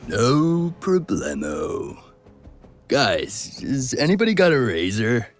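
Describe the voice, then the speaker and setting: Slow, swooping, spaced-out mercenary. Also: male voice, mid-range voice, huge pitch swings, faint music behind, full character voice. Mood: easygoing. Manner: slangy, easygoing, dazed. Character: laid-back, spaced-out, friendly mercenary man. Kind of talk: comic video game acting.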